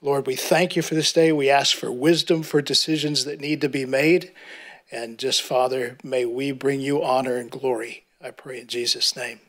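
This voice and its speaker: Middle-aged pastor offering a halting prayer. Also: male voice, mid-range voice, steady tone, a bit bright. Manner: halting, with repeated filler words. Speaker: pastor giving an invocation. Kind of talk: spoken prayer. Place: council chamber, indoors. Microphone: standing at a podium microphone.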